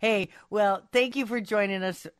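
A woman with a low, sultry voice, co-hosting a radio polka show in rambling, giggly chat. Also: steady tone, moderate pace, no echo, studio quality. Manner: rambling, giggly, self-deprecating. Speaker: radio co-host and polka singer.

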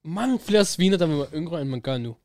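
A young man in casual chat, quick to react and joke. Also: fairly high pitch, lively intonation, darkish tone.

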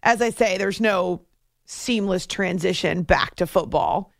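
A woman hosting a sports radio show in a chatty, animated monologue from a studio. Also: lowish voice, unhurried, creaky, dry recording. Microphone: close studio microphone.

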